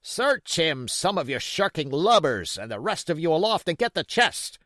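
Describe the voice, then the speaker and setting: A man voicing a blind pirate villain in an audiobook, furious and domineering, shouting orders and curses. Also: fairly high pitch, big pitch swings, normal speed, dry recording, clean studio sound, pitched above the performer's own voice. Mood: fierce impatience. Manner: shouting, cursing, barking orders. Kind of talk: audiobook character voice.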